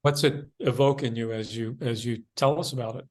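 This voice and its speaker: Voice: medium pitch, fairly even intonation, brisk. A host asking probing interview questions over a video call, often rephrasing mid-sentence.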